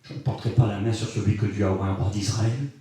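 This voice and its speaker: A man doing a humble young fugitive, earnest and pleading, highish voice, echoey room, distant mic. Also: brisk, natural voice. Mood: calm refusal. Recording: echoey hall from far off.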